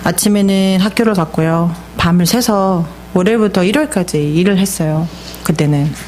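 Over light background noise, a woman speaks at a moderate pace with ordinary pitch variation and very even loudness. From South Korea. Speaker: lay youth minister giving testimony sermon. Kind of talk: sermon with consecutive interpretation. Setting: church. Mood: earnest, emotional. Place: church.

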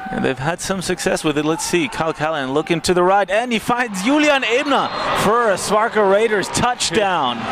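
A man's high voice with very wide pitch swings, dry with no echo, over noticeable background noise. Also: moderate pace. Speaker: sports commentator. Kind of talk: live sports commentary. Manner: casual, chatty with co-commentator. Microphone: headset.

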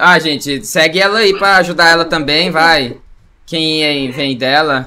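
A man speaks at a fairly slow pace, his pitch fairly high. His pitch variation is ordinary. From Goiás, Brazil. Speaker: streamer. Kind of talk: casual chat. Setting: livestream.

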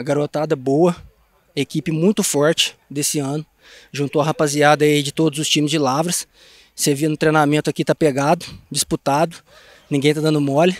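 A man speaks at a moderate pace with long, frequent pauses, his fairly high pitch and monotone, flat intonation set against a quiet background. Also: dry sound with no echo. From Brazil. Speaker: amateur football team organizer. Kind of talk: interview. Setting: outdoors. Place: stadium. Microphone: handheld.

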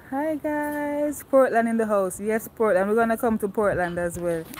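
A woman with lively intonation, dry sound with no echo and noticeable background noise. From Jamaica. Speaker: holiday rental host. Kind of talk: casual chat. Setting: restaurant, live stream. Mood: relaxed, friendly. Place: street. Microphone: phone near.

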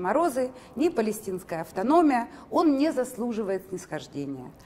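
A woman speaks at a fairly slow pace in a high voice with very wide pitch swings, faint music playing in the background. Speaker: interviewer. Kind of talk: interview. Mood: lively, warm. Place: hall. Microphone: lapel.

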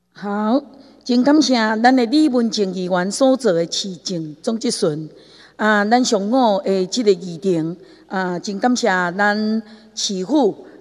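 Speaking very slowly, a woman uses a fairly high pitch and lively intonation. The recording is very clean, with a silent background. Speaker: council chairperson. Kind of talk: chairing a meeting. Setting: council chamber.

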